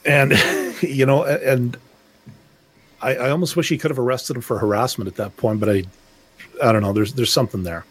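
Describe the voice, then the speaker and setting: A man's voice: mid-range voice, moderate pace, a bit bright, husky. A middle-aged man co-hosting a podcast, talking in a rambling, reflective way with many restarts. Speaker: podcast co-host. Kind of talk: casual discussion.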